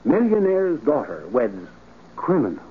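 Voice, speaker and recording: A man playing a smooth, self-assured criminal blackmailer with a suave, mocking theatrical manner in a 1940s radio crime drama. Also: medium pitch, wildly swooping pitch, unhurried, a little hiss or hum. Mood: boastful. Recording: muffled, tinny old radio recording.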